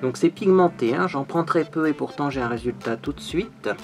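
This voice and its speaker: A man's voice: a little high, lively intonation, normal speed, gravelly, a little mellow, faint music behind. A man hosting a makeup tutorial, talking in a bubbly, chatty way and often tagging his sentences with little fillers. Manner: bubbly, chatty, peppered with "hein". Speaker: beauty vlogger.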